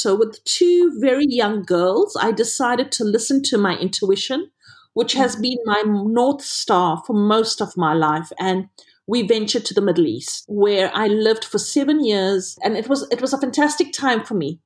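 A woman's voice: medium pitch, animated, normal speed. A middle-aged woman with a South African accent, a podcast guest telling her career story in an earnest, reflective way over a remote call. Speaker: guest, HR director. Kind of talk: podcast interview, personal story.

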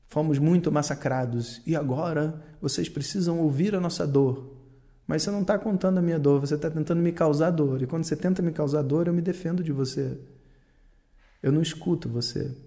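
Earnest Brazilian man, gravelly mellow voice. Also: fairly high pitch. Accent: Brazilian Portuguese. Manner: earnest, explanatory, many fillers and pauses. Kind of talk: reflective monologue.

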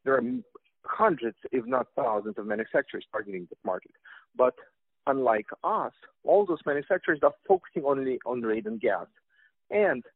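A man's voice: medium pitch, dry recording. A man with a Russian accent answering interview questions about his company's products, hesitant, with many fillers and restarts. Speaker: company representative guest. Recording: tinny phone line, dry.

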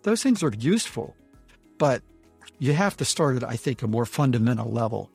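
A man hosting a podcast, speaking in a reflective, measured way while asking his guest questions. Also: mid-range voice, darkish tone, husky. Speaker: podcast host. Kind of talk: conversational interview.

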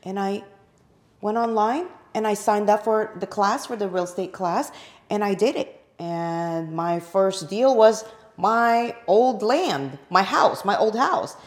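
Animated middle-aged woman telling her story. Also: medium pitch, takes it slowly. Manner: animated storyteller, laughs often, acts out her own past thoughts. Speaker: real estate agent, podcast guest. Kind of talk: casual interview chat.

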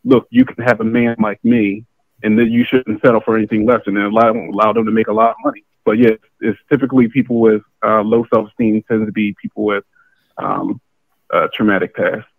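A man, a guest, calmly explaining his views on a call, with halting fillers as he thinks. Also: on the low side, creaky, no echo. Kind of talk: casual discussion on a call. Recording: tinny phone line.

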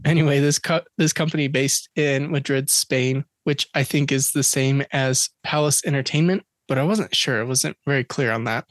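A man's voice: medium pitch, normal speed, few pauses, dry recording, clean studio sound. A man co-hosting a podcast in casual chat, reading out dates and facts with jokes along the way. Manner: chatty, joking, reads facts and dates aloud. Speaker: podcast co-host.

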